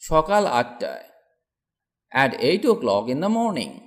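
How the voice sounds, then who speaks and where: Male English tutor, slow drill delivery, lively rising and falling pitch, each sentence said twice. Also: creaky. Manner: reads each English sentence slowly twice after the Bengali one. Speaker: English teacher.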